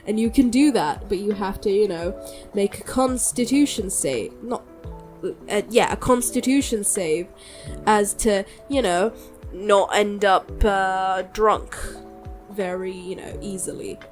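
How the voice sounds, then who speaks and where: A woman who is sick, chatting informally and enthusiastically in a rambling, halting way, as if on a solo podcast. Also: medium pitch, soft background music. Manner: hesitant, halting, rambling delivery; informal, enthusiastic, mild swearing. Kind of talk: casual rambling chat.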